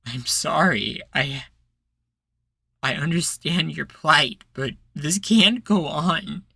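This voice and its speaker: A man acting a troubled, self-doubting rebel leader with a hushed, halting delivery in an ASMR roleplay. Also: on the high side, creaky, breathy edge, no room sound, full character voice. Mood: grave, insistent.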